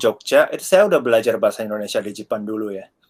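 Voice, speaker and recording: A man with a Japanese accent at a very fast pace. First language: Japanese (speaking Indonesian). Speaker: actor and former lecturer. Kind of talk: interview.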